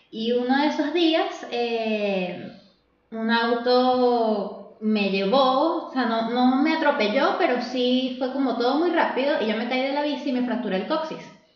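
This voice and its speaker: The speaker talks at a fairly slow pace with ordinary pitch variation. Audible room echo surrounds the voice. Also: woman, high pitch for a woman. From Venezuela. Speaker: bakery entrepreneur. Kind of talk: casual interview.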